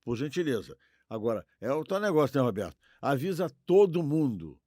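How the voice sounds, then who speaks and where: A man's voice: medium pitch, sing-song, a little fast, warm tone, no room sound, clean studio sound. A Brazilian man co-hosting informally, addressing people in a courteous, wordy way. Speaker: co-host. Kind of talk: informal hosting, audience appeal.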